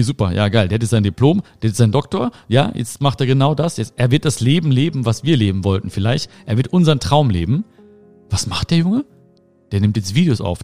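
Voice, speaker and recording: A man in his thirties, raised in Germany, hosting a motivational podcast in an earnest, emphatic way, his pitch rising sharply on key phrases. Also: darkish tone. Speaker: podcast host. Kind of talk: motivational talk.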